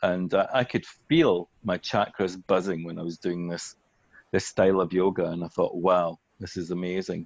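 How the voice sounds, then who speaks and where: Here is a man in a Scottish accent with a very deep, low pitch. He speaks at a moderate pace with monotone, flat intonation, and the sound is dry and close with no echo. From Scotland. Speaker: tantric yoga teacher and massage practitioner. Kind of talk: interview.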